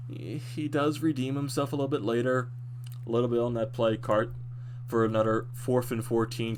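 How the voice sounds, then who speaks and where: A young man with a lowish voice rushes through a fan's recap of a football game, getting animated and restarting his sentences as he goes. His voice sounds a little worn, as if it is starting to go. A steady hum runs behind him through the whole recording. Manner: excited, animated fan recap with frequent restarts. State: slightly losing his voice. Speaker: sports fan commentator.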